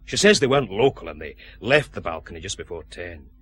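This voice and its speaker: An actor playing a gruff, wry detective inspector in a radio drama. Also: male voice, low voice, big pitch swings, a little fast, a bit bright, full character voice.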